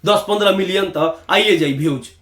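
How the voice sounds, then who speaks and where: A man's voice: high voice, brisk, fairly bright tone, reverberant. A man with a Bihari Bhojpuri accent giving emphatic, opinionated video commentary, addressing viewers with rhetorical flourishes. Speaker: YouTube commentator.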